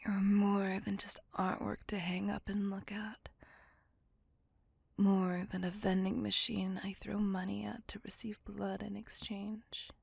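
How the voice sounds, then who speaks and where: A woman voicing a courteous, possessive female vampire on a date, speaking in a soft, formal and reassuring whisper. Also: medium pitch, flat delivery, vocal fry, slightly rough, no echo. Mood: tender whisper. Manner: formal, slow, intimate and reassuring. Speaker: voice actor. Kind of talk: ASMR roleplay.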